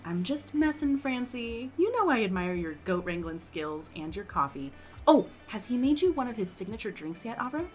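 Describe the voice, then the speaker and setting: A woman's voice: a little high, big pitch swings, moderate pace, a little mellow, faint music behind. A woman playing a brash, friendly young townswoman in an audio drama, slangy and full of playful ribbing. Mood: playful teasing.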